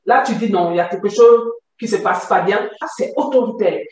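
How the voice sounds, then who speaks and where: A woman giving an emotional personal testimony, halting and pained, often rising to near shouts. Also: medium pitch. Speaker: testimony guest. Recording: echoey room, far from the mic.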